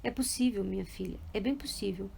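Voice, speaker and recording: A woman voicing a teasing, amused middle-aged husband, speaking softly and indulgently. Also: mid-range voice, fairly quick, gravelly, slight background noise.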